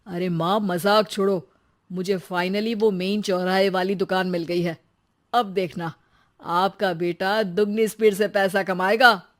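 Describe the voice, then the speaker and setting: A woman's voice: mid-range voice, fairly even intonation, measured pace, close to an everyday voice. A woman voicing an eager, ambitious young male shopkeeper who is the son of the family in a storybook cartoon. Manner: eager, proud.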